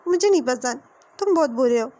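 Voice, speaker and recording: A woman's voice: sits high, expressive, brisk, a little mellow. A woman voicing a pouty, childish young man who sulks and demands in a love story. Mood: sulky. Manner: sulky, demanding, childish pleading.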